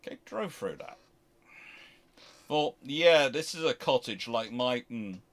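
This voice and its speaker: A British man hosting a casual question-and-answer chat, talking in a rambling, halting way and often interrupting himself. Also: mid-range voice. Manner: rambling, halting, animated anecdotes with self-interruptions. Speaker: host answering viewer questions.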